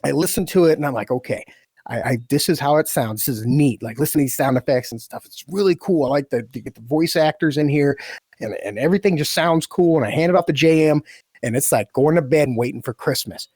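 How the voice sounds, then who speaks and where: A man's voice: fairly high pitch, fast talker, darkish tone, breathy edge, dry recording. A man talking in an enthusiastic, informal and effusive way, as one of a podcast team chatting casually. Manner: effusive, informal, full of praise. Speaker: podcast team member and story creator.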